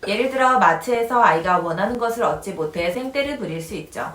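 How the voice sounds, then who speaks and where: A woman in her thirties calmly explaining parenting advice as the host of an educational video. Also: mid-range voice, brisk, soft background music. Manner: calm, even, instructive. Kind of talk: scripted explanatory narration. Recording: roomy echoey recording.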